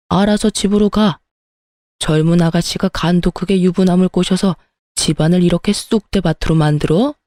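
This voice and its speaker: A woman's voice: on the low side, dark tone, no room sound, clean studio sound, natural voice. A woman voicing an angry older father-in-law who scolds his son bluntly, in a dramatized story. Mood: cold.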